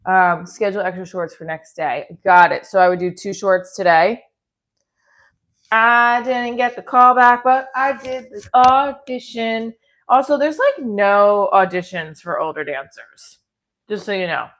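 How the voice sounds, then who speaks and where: A middle-aged woman, a comedy creator and performer, hosts a live stream from home, chatting in a rambling, blunt, candid way. Her nose is stuffy and congested, and her voice sits at medium pitch with a measured pace and a slightly bright quality. The home recording is clearly noisy, with clicks.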